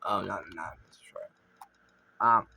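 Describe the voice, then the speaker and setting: A man's voice: sits low, slow pace, vocal fry, bright, forceful tone, a little hiss or hum. A young man casually commentating his own gameplay as a streamer, rambling and thinking aloud, often trailing off mid-sentence. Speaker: gaming streamer.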